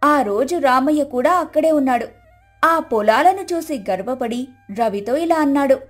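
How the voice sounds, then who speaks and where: A woman's voice: high-pitched, normal speed, faint music behind. A woman reading scripted narration of a moral story as the storyteller.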